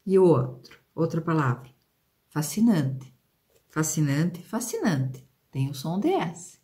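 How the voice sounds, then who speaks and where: Brazilian woman teacher for a kids' video lesson; lowish, very expressive pitch, unhurried, stretches words out, asks the class questions. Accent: Brazilian Portuguese. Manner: slow, drawn-out pronunciation of example words; questions and prompts aimed at pupils.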